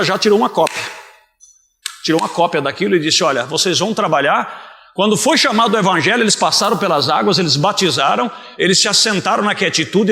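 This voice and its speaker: A Brazilian man preaching a sermon as pastor, telling stories with passion and bursts of shouting. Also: high-pitched, vocal fry. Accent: Brazilian Portuguese. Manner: impassioned, storytelling, bursts into shouting. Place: church hall. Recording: echoey church hall.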